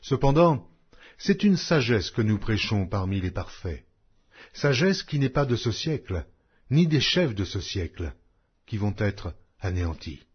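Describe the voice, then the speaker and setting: A low male voice, somewhat husky, delivers a solemn scripture reading. His phrases rise and fall widely, set apart by deliberate pauses in a measured, declamatory manner. The audio is slightly dull. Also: big pitch swings.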